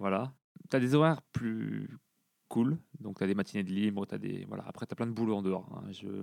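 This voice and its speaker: Speaking at a fairly quick pace with long, frequent pauses, a man has a fairly low pitch and ordinary pitch variation. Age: 30s. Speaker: office manager. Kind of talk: casual interview. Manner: hesitant.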